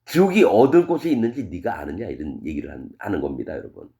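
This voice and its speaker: A male pastor preaching a sermon, reading verses and retelling them in plain, casual speech, full of rhetorical questions. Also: fast talker. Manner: animated, wide swings in pitch and loudness. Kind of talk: expository sermon reading scripture.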